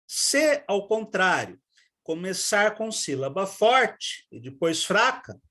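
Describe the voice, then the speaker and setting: A poetry teacher with a Brazilian Portuguese accent talks through verse rhythm at a very unhurried pace. The pitch moves a lot, rising and falling as lines are recited and stresses are marked out. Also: sing-song, bright, forceful tone. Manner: slow, measured recitation with stressed syllables. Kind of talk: online class, reading poems aloud.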